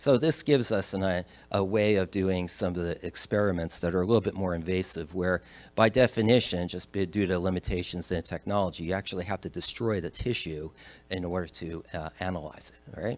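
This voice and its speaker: With a New Jersey accent, a man talks at a very deep, low pitch and a fairly quick pace, with ordinary pitch variation. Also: very clean recording, silent background. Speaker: biomedical researcher. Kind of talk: conference presentation. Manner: halting, many fillers.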